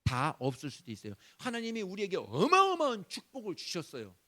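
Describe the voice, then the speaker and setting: A male pastor preaching a Sunday sermon, animated, acting out prayers in a raised voice. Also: sits high, fairly quick. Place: church sanctuary.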